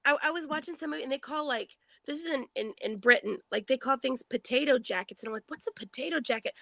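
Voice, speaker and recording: A middle-aged woman chatting with friends on a live video call, telling stories in an animated way with lots of repeats and laughter. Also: high-pitched, fast talker, vocal fry, no echo, studio quality. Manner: animated storyteller, repeats words, laughs often. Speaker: guest on a live chat. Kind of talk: casual chat among friends.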